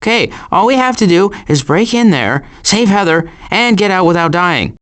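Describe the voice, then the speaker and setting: Fretful, wry cartoon turtle. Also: male voice, sits high, normal speed. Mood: uneasy, dry. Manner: wry, fretful, deadpan sarcasm with stammers. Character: cautious, anxious, grumbling adult male cartoon turtle. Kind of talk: animated video game character lines.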